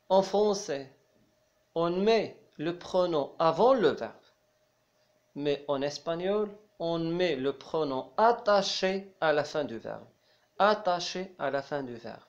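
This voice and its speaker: Slow-talking man teaching a lesson. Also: a little high, a little mellow. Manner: repeats phrases, explains slowly with hesitations. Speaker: language teacher. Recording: dull lo-fi sound.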